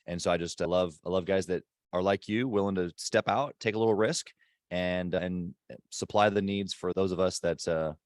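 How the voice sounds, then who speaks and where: A man with a deep voice hosting a casual podcast interview from an airport, emphatic and hyped but holding his volume down. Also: steady tone, moderate pace, clean tone, no room sound, clean studio sound. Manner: emphatic, hyped-up, kept quiet in a public spot. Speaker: podcast host.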